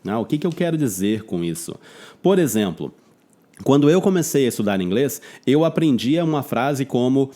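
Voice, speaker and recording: Brazilian teacher, middle-aged man, mellow dark voice, chatty casual lesson delivery. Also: medium pitch, very animated. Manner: chatty, loose, drawn-out English examples. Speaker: English teacher.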